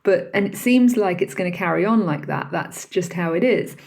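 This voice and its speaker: A woman's voice: lowish voice, expressive, moderate pace, vocal fry, a little mellow. A woman hosting a podcast, talking reflectively and conversationally on her own and posing questions to the listener. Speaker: podcast host. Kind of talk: reflective solo podcast talk.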